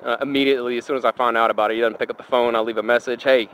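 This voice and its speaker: A motorcycle vlogger tells a rambling, profane first-person story in casual, colloquial speech while riding, talking into a helmet mic amid engine, road and traffic noise. His mid-range voice is very fast, fairly bright and clean, with fairly even intonation, and the recording is rough.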